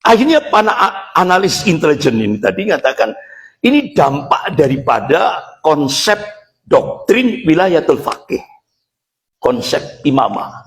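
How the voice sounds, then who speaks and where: A middle-aged man from Indonesia, a Muslim preacher giving an emphatic, animated religious lecture to a congregation and addressing them directly. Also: medium pitch. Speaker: Islamic preacher.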